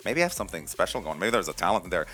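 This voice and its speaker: A young man from Lebanon with a low bass voice, chatting upbeat as a guest in a radio studio interview. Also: animated, very fast, fairly bright tone, faint music behind. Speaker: radio guest, opera singer. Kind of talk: casual radio interview chat.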